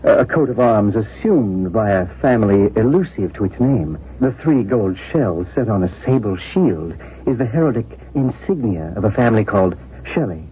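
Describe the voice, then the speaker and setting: An actor playing a courteous, earnest small-town jeweler with halting, measured delivery in a 1970s radio drama. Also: male voice, on the low side, animated, close to an everyday voice. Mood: grave, explanatory. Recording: muffled vintage radio recording, faint noise.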